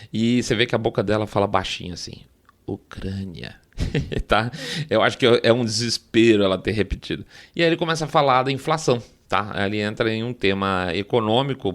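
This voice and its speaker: A Brazilian man delivers mocking political commentary in a slightly low voice. He talks in a loose, conversational way and keeps checking in with his listeners as he picks apart a speech. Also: a bit bright. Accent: Brazilian Portuguese. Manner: sarcastic, mocking, checks in with a frequent "tá?". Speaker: podcast commentator.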